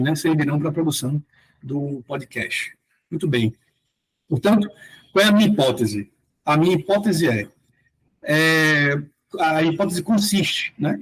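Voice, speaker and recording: A philosophy teacher from Salvador, Bahia, Brazil, speaks with a Bahian Brazilian Portuguese accent in a slightly high, bright and somewhat rough voice. He presents his research in a hesitant academic talk packed with fillers, reading formal passages aloud. The audio quality is poor.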